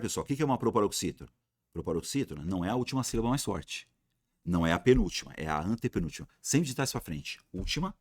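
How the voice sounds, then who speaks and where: A Brazilian man gives an online Portuguese grammar lesson for exam prep in a casual, colloquial style, drilling key words through repetition and asking his students questions he then answers himself. His voice sits fairly low. The recording is studio quality with no room sound.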